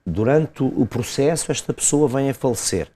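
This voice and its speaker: Measured lawyer, man. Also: medium pitch, lively intonation, dark tone. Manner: measured, explains step by step with frequent hesitations. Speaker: lawyer commenting as guest. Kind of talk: explanatory legal commentary in an interview.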